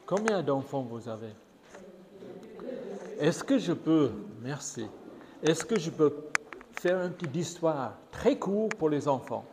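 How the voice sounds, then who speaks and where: An older man with an English accent, a guest preacher telling a gentle story to children in church. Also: a little high. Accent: English-speaking. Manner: gentle, slow and lively storytelling. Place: church hall. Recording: church hall reverb, faint noise.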